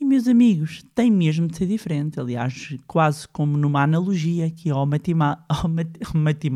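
In a very clean recording with a silent background, a woman with a European Portuguese accent speaks at a moderate pace in a very deep, low, dark and mellow voice with lively intonation. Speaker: podcast host, personal finance educator. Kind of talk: casual solo podcast talk. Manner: animated.

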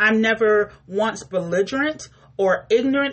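This woman talks at a fairly slow pace. Her pitch moves in an ordinary way. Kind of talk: solo podcast monologue answering listener questions. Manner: calm.

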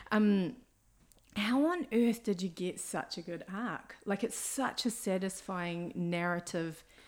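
In a New Zealand accent, a woman speaks at a very slow pace with ordinary pitch variation on a very clean recording with a silent background. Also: medium pitch for a woman. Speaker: podcast host, writer. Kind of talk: casual interview.

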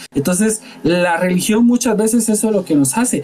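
Music plays behind a man who talks with a Guatemalan accent. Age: 20s. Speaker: podcast guest. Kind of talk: casual chat.

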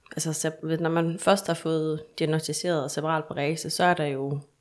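In a flat monotone, a woman with a very deep, low pitch speaks at a moderate pace. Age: 20s. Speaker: bereaved mother. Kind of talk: casual chat.

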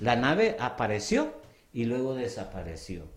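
A man speaks at a medium pitch with vocal fry and very wide pitch swings. Audible room echo is present. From Honduras, Santa Bárbara. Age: 60s. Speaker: alien contactee and naturopath. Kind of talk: testimony.

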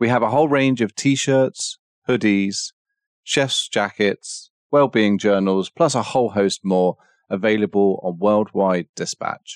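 A man speaks in a normal speaking voice at a fairly slow pace, fairly low in pitch with ordinary pitch variation. The sound is dry and close with no echo, over a quiet background. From Canada. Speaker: podcast host. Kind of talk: interview, podcast intro.

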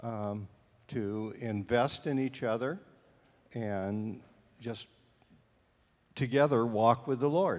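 A man speaks at a very slow pace and medium pitch. He leaves long, frequent pauses. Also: ordinary pitch variation. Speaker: retired teacher and church deacon. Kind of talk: interview on stage. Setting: church. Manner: halting.

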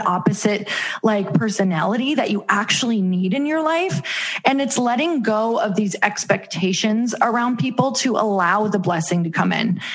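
A woman with an American accent talks in an animated tone at a fairly high pitch, her intonation lively, while noticeable background noise runs underneath. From Michigan (Upper Peninsula). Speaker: entrepreneur and podcaster. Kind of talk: interview.

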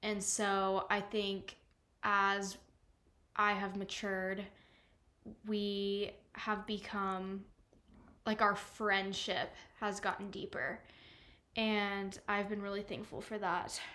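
With a bright, sharp tone and monotone, flat intonation, a woman at medium pitch talks at a very slow pace with long, frequent pauses in audible room echo. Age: 20s. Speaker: college student, host's daughter. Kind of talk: casual chat.

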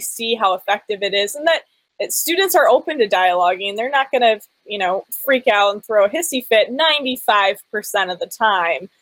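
In a dry, close sound with no echo, a woman with an unremarkable speaking voice and fairly high pitch talks at a moderate pace. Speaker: nonprofit executive director, campus pro-life organizer. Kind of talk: radio interview.

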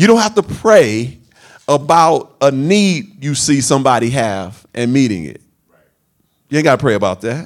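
In a very clean recording with a silent background, a man with an American accent speaks at a moderate pace and fairly high pitch in an animated tone full of very wide pitch swings. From East Oakland, California. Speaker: pastor. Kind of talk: sermon. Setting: church with congregation. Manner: informal, animated, conversational.

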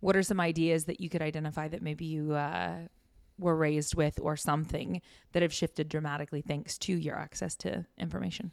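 With an American accent, a woman talks at a fairly quick pace and a very deep, low pitch in a very clean recording with a silent background. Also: ordinary pitch variation. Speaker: podcast host. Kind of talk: casual interview chat.

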